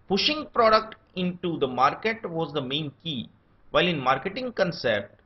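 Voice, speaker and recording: A man with an Indian accent giving a scripted academic lecture, listing his points one by one. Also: on the high side. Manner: steady enumerating delivery, lists points one by one. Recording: dull lo-fi recording.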